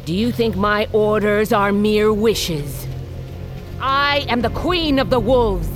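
A woman's voice: mid-range voice, slow pace, over music, natural voice. An actress playing a ruthless, imperious tribal warrior queen and cold mother in an audio drama. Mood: menacing authority. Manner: imperious, commanding.

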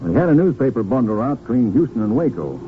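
Brisk, talkative country sheriff played by a male actor, plain and earnest, old radio drama, noisy narrow sound. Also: mid-range voice, very animated, lightly acted. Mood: regretful, earnest. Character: plain-spoken small-town sheriff, loyal to a friend. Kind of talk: 1950s radio drama acting.

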